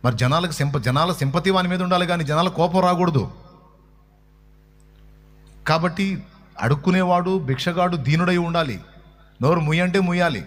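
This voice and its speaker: Conversational male pastor, slightly high voice. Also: normal speed, long pauses, long reverb tail. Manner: conversational, asks the audience questions. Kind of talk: sermon.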